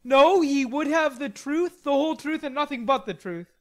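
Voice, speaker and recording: Storybook lad in a huff: female reader playing a stubborn, petulant teenage boy, pitched up, full of bluster. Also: moderate pace, close to an everyday voice. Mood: indignant. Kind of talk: storybook character dialogue.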